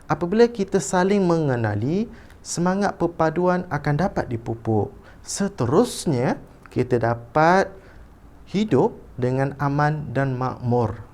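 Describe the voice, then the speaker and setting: A man's voice: on the high side, animated, a little slow, a little mellow, voice pushed up. A man with a Malaysian Malay accent reading the part of a patient mother explaining things to her children, in a raised, sing-song way.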